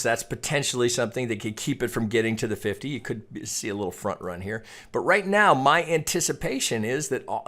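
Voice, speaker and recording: A man's voice: mid-range voice, a bit bright. A man giving informal chart commentary as a trading educator, conversational and opinionated, with casual swearing and frequent check-in questions. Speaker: trading educator and market analyst.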